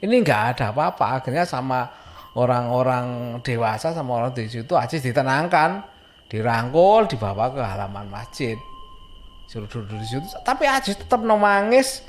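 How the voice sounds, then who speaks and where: A man recounts an eerie tale from his childhood in a loose, conversational way. He rambles and hesitates, fixing his words as he goes. His pitch sits at a middling level for a man. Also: very animated, normal speed, a little hiss or hum. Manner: rambling, many fillers and self-corrections. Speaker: storyteller recounting a childhood event. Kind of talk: casual spoken horror storytelling.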